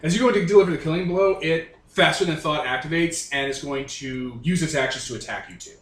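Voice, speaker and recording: A man's voice: a little high, brisk, fairly bright tone. A man narrating as game master of a tabletop role-playing game in a casual, profane way. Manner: profane, informal. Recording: echoey room, faint background noise.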